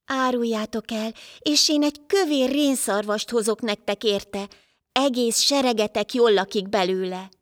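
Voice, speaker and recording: A woman's voice: on the high side, dry recording, clean studio sound, close to an everyday voice. A woman voicing a stranded winged wanderer who pleads for lost wings in a folk tale. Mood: pleading. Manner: pleading, insistent.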